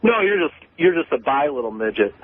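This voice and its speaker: A man's voice: fairly high pitch, big pitch swings, brisk. A man phoning a radio show from a work site, heckling in an abrasive, mocking, foul-mouthed way. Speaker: caller. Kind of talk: heckling phone banter. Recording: tinny noisy phone call.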